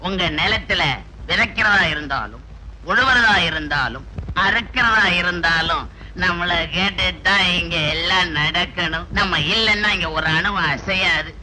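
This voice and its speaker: A domineering village strongman in a Tamil film comedy. His voice is high and very bright, with faint noise behind it. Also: full character voice, poor audio. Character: threatening village landlord's man.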